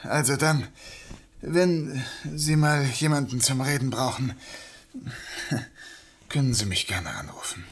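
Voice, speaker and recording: An actor playing a considerate, awkward young male police inspector in an audio drama, speaking haltingly. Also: mid-range voice, breathy edge. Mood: gentle, awkward. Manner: hesitant, halting.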